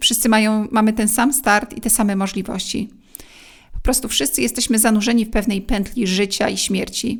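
Fairly high, somewhat breathy female voice at a moderate pace, with ordinary pitch variation. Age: 30s. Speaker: podcast host. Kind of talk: solo reflective monologue.

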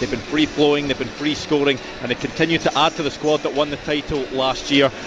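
The speech moves at a very fast pace in a monotone, flat intonation, with noticeable background noise. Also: man, dry sound with no echo. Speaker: radio sports reporter. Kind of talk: sports radio team news report. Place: stadium.

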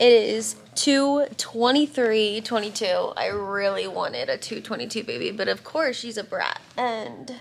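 A woman's high-pitched voice with ordinary pitch variation, at a fairly slow pace over light background noise. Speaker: expectant mother vlogger. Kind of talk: casual vlog chat. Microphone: phone near.

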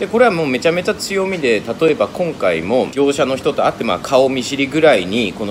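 Light background noise sits under the recording. A man speaks at a fairly quick pace. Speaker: online sales instructor. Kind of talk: casual vlog chat. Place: street. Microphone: phone near.

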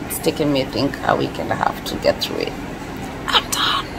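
A woman's voice over noticeable background noise. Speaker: travel vlogger learning to dive. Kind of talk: casual vlog chat. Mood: cheerful, relieved, laughing.

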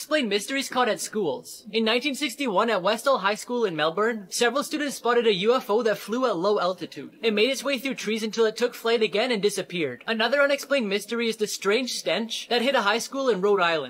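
Talking at a very fast pace, a man uses a high pitch with ordinary variation. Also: hardly any pauses. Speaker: short video creator. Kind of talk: casual fact commentary and comedy skits. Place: home room. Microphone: phone near.

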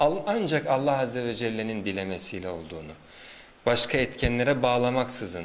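A man at a moderate pace. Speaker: religious teacher. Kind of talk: lecture. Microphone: podium.

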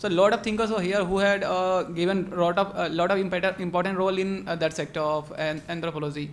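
A man with an Indian accent talks at a very fast pace in a high voice, with hardly any pauses, fairly even intonation and light background noise. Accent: Hindi-accented Indian English. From India, Hindi-speaking region. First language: Hindi. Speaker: exam aspirant, audience member; audience member. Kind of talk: audience question. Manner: halting. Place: classroom. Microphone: handheld.

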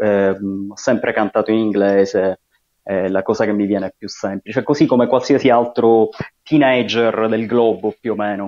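A man with an unremarkable speaking voice at a moderate pace, his intonation fairly even, against a quiet background. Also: fairly low pitch for a man. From Sicily, Palermo; Sicily. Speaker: musician; guest. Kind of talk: interview. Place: home room. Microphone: earbuds.

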